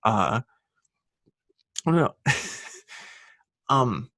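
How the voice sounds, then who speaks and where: A man's voice: medium pitch, big pitch swings, extremely slow, sharp tone, dry recording. A young man co-hosting a podcast, chatting casually in a rambling way with lots of fillers. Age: young adult. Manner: rambling with many fillers and laughs. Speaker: podcast co-host.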